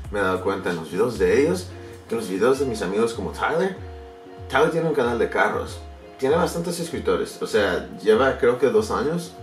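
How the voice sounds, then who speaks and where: A man's voice: on the low side, far from the mic. A man in his thirties vlogging casually to camera at home, speaking a second language he learned later, searching for words and restarting often. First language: English. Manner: animated, gestures a lot, searches for words and restarts. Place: bedroom or home office, indoors. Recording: echoey room, a bit off-mic, faint music.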